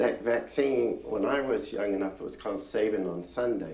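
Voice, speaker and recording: Someone with an American accent speaks at a moderate pace with ordinary pitch variation. Audible room echo surrounds the voice. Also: man. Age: 70s. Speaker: virologist, scientist speaker. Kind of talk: lecture.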